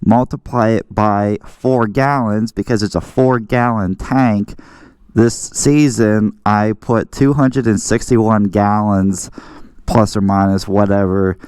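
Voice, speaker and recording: Low, clean-voiced American man vlogging casually. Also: fairly even intonation, takes it slowly, darkish tone, clear, resonant tone, no echo. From southwestern Pennsylvania, US. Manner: informal, rambling, self-correcting. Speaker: motorcycle vlogger. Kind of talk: casual explanatory vlog talk.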